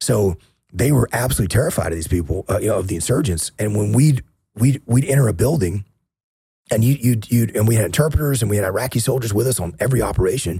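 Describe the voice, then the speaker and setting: A man with an American accent speaks at a very fast pace. His tone is dark and mellow, and somewhat breathy. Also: medium pitch for a man, lively intonation. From US South, rural Southeast Texas. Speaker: military veteran and leadership consultant. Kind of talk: casual interview conversation. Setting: studio, in person.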